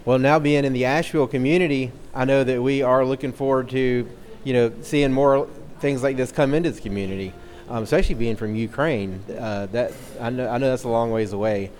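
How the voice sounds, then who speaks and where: Guy reporter out on the street, chatty and upbeat, lots of ums, mid pitch. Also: a little fast, darkish tone. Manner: casual, upbeat, filler-heavy. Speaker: local news reporter. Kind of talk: on-the-street interview. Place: outdoors on a city street.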